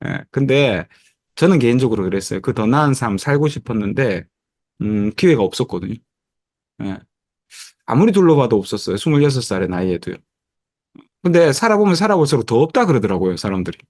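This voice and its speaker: A man's voice: mid-range voice, darkish tone, no echo, clean studio sound. A man in his fifties giving a motivational presentation over a video call. He tells his story with many fillers and acts out the dialogue of others. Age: 50s. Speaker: network marketing presenter.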